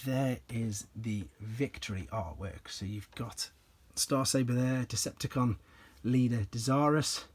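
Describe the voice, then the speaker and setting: A slightly hoarse man, an enthusiastic toy collector, casually explaining and demonstrating pieces from his collection step by step, with frequent ums. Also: mid-range voice, measured pace, few pauses. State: slightly hoarse, clears throat.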